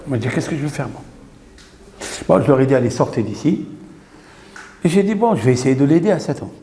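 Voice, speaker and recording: A man, a rabbi, recounting a story in an animated teaching style, mixing in Hebrew terms. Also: mid-range voice, brisk. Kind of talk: storytelling Torah lesson. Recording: echoey room with faint noise.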